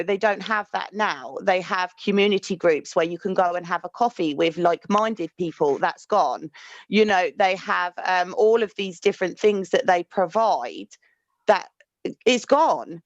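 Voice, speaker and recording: A woman's voice: on the low side, a little slow, no room sound. A woman talking in a heartfelt, emotional way as a podcast host in casual chat. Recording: dry, dull lo-fi audio.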